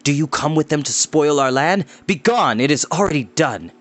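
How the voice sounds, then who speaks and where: A man's voice: medium pitch, moderate pace, lightly acted. A man reading a storybook aloud and voicing a bitter, ruined farmer who pleads and accuses.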